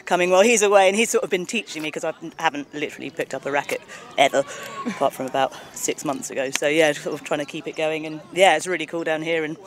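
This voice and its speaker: A woman's voice: low voice, quick pace, hardly any pauses, a little hiss or hum. A woman, a beginner tennis player, chatting self-deprecatingly on an outdoor court.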